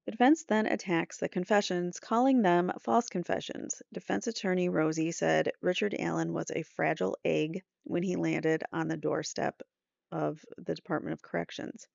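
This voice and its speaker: A middle-aged woman with a noticeably creaky, mid-pitched voice gives a recap of a trial, reading updates aloud and breaking off for casual asides. The sound is dry and close, if a little dull. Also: fairly even intonation, normal speed, a little mellow, no room sound.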